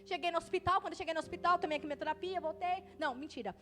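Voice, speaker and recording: A young adult woman, pregnant, preaching in a church, moving from hushed storytelling to loud fervent preaching. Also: very high-pitched, very fast, soft background music. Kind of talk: testimony sermon.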